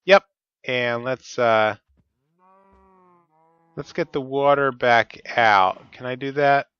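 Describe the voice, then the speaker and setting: A man's voice: medium pitch, fairly even intonation, slow, a bit bright, smooth, dry recording, highs cut off. A man with a stuffy, cold-affected voice, talking methodically through each step of his gameplay. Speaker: Let's Play host. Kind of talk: casual gameplay commentary.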